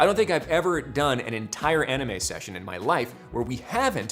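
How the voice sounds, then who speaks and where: A man speaks at a moderate pace in an American accent, his medium pitch swinging very widely. Music plays in the background. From Los Angeles, USA. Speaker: voice actor. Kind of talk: educational talk to camera.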